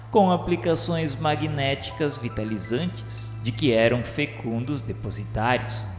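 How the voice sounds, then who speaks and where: A slow, solemn male spirit played by a man narrates his memoirs in a Brazilian accent for a radio novel. The delivery is formal and measured, at a middling pitch. It rings with long hall reverb over music.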